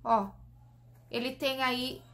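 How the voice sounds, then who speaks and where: A high-pitched Brazilian woman chats eagerly to camera, reviewing beauty products. She keeps calling out to her viewers while she tries each one on her hands. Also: fairly even intonation, takes it slowly, a bit bright. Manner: chatty, enthusiastic, addresses viewers as "gente"; demonstrating products while talking. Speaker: beauty vlogger.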